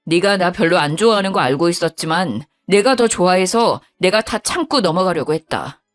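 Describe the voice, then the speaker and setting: A woman voicing an angry young husband who scolds bluntly in a lowered voice. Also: animated, fairly quick, soft background music, lightly acted.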